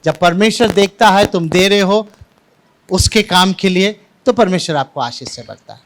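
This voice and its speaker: A pastor delivers an animated Sunday sermon in a high-pitched voice. He tells stories to the congregation and mixes English words into his preaching. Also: normal speed. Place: church service.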